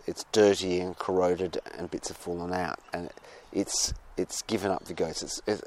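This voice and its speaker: Australian man, very low voice, casual reflective monologue, halting, digressive, outdoors. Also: a little mellow. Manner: halting and digressive, restarting phrases. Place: outdoors with birds nearby.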